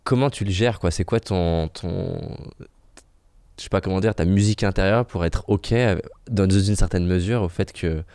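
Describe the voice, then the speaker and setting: A man's voice: low voice, normal speed, warm tone, no room sound, clean studio sound. A man hosting a podcast, asking prodding, informal questions. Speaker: podcast host. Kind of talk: casual interview questions.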